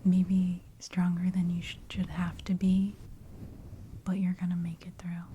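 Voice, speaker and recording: A woman in her thirties giving a soft, encouraging whispered ramble for ASMR, full of "like" fillers, close on the mic. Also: on the low side, completely flat delivery, measured pace, a little hiss or hum. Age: 30s. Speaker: ASMR creator. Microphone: close studio mic with brushing.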